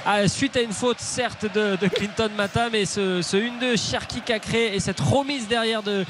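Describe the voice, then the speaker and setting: A man giving live radio commentary on a football match, calling the action briskly and with excitement. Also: high-pitched, background noise. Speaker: play-by-play commentator.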